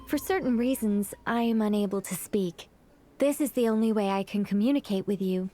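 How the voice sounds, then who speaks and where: A woman's voice: mid-range voice, moderate pace, mellow, close to an everyday voice. A woman voicing a reserved witch in a video game who speaks formally and turns flustered when embarrassed.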